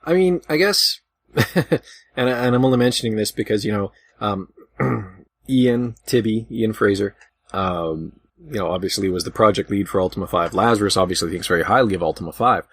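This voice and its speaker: A man with a somewhat low, husky voice talks casually on a podcast. He works through his point in a halting, digressive way, with wry asides to listeners. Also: dry recording. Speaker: podcast host discussing video games. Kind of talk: casual chat.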